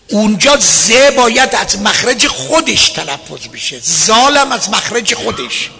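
High-voiced man teaching recitation rules. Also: creaky. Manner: recites Quranic verses in a chanting tone between explanations. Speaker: religious teacher. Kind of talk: explanatory lesson on Quran recitation rules. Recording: long hall reverb.

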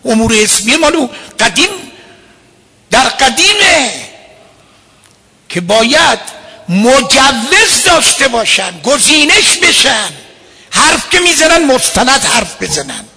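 A man giving a religious lecture as a cleric, emphatic and at times rising to a shout. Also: extremely high pitch, big pitch swings, breathy edge.

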